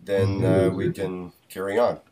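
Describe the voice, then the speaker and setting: Slow, hesitant low-voiced man hosting. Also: monotone, a loud crowd. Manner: slow and hesitant, with fillers and restarts. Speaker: workshop host. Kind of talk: hosting an online workshop. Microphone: call line.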